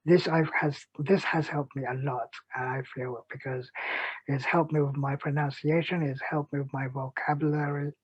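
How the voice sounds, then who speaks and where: Student talking slow and flat, kinda husky, dull dry sound. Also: medium pitch, no echo. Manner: halting, with fillers and restarts. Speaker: course student giving a testimonial. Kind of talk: unscripted testimonial.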